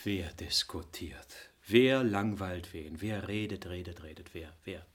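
An actor playing an irritable, blustering husband in a drama, husky and exasperated. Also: male voice, low voice, measured pace. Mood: weary.

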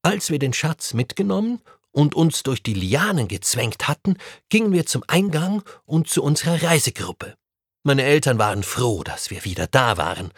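A man reading a first-person adventure story aloud, with an animated, expressive delivery. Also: medium pitch, normal speed, slightly rough, no echo, clean studio sound. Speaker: story reader.

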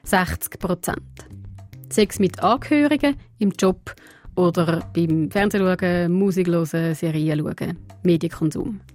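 A woman whose first language is Portuguese, narrating a radio feature in a lively storytelling manner. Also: on the low side, a little slow, soft background music. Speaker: radio reporter and presenter. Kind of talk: scripted narration with reportage.

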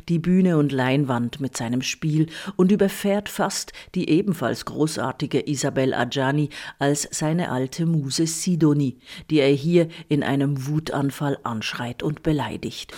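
A woman's voice: low-pitched, a little slow, few pauses, a little mellow. A woman film critic narrating a scripted, radio-style review.

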